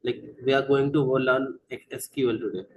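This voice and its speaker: A man with a South Asian accent leads an online class in a medium-pitched voice. He prompts his pupils with short questions and calls on them to answer, slipping between English and Hindi as he teaches. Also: steady tone, moderate pace, narrow, tinny audio. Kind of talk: interactive online lesson, calling on pupils.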